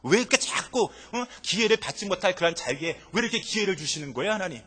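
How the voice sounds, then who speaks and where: A man's voice: high-pitched, lively intonation, quick pace, bright, forceful tone, voice pushed up, full character voice. A male pastor acting out an indignant prophet who protests to God in a nagging, pleading way, in a church hall. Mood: complaining.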